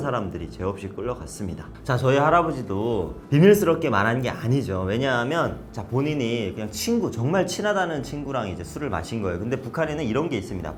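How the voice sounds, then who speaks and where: Over noticeable background noise, a man talks very fast with hardly any pauses, his medium-pitched voice swinging very widely in pitch. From North Korea. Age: young. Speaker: North Korean defector YouTuber. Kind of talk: casual talk to camera.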